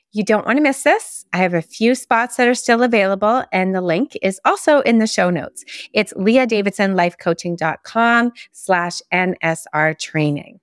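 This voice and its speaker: Speaking at a moderate pace and a medium pitch, a woman uses lively intonation in a very clean recording with a silent background and a dry, close sound with no echo. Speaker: life coach and podcast host. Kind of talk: educational monologue.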